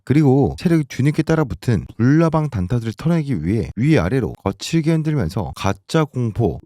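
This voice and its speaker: A man hosting a stock market channel, delivering an urgent, emphatic scripted pitch while hoarse from a throat cold. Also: dark tone, dry recording, studio quality.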